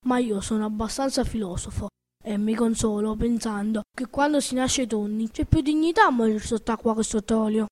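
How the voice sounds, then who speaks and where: A woman voicing a calm, resigned and philosophical tuna fish with a harsh, jangly voice in a storybook reading. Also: a little high, moderate pace, soft background music, close to an everyday voice. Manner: resigned, matter-of-fact.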